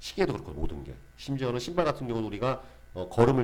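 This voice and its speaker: This man talks at a very fast pace in an animated tone, his pitch swinging very widely. Room echo is audible. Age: 40s. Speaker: sales lecturer. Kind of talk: online lecture.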